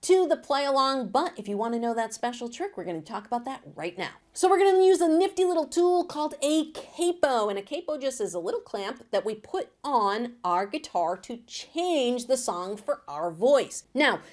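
A woman's voice: sits high, big pitch swings, normal speed, hardly any pauses. An upbeat, encouraging woman in her thirties with an alto voice, teaching a guitar lesson to camera in a home studio and singing along. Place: home studio room, indoors. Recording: acoustic guitar playing under the voice.

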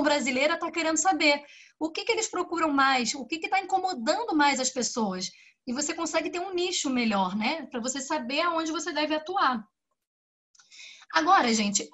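A woman speech therapist with a Brazilian Portuguese accent gives a lively, chatty lecture and often asks rhetorical questions. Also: sits high. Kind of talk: symposium lecture.

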